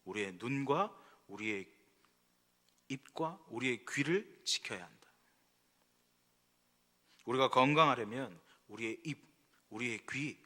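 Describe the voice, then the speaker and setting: Korean pastor preaching in a reverberant church. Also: male voice, mid-range voice, bright, forceful tone. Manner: conversational storytelling that rises to emphatic exhortation. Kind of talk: sermon. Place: church sanctuary. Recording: long reverb from a church hall.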